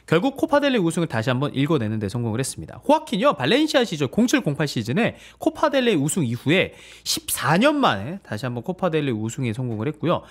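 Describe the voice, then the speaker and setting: Bouncy host introducing football segments. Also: male voice, on the high side, huge pitch swings, fast talker, hardly any pauses. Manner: brings in each segment, half reading from notes. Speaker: football talk show host. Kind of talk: reading segment notes, casual chat. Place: studio.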